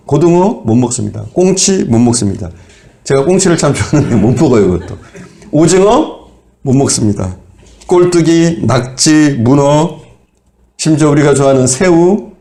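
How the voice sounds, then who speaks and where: A man's voice: mid-range voice, dark tone, reverberant. A male pastor preaching a sermon in a conversational way, putting rhetorical questions to the congregation and listing examples in short phrases. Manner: lists items one by one in short phrases. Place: church sanctuary.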